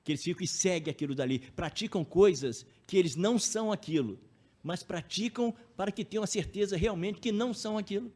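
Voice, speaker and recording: Speaking briskly in a high voice with a darkish tone, a man lectures the public at a spiritist center. He keeps it conversational, tags his sentences with questions, and acts out his anecdotes.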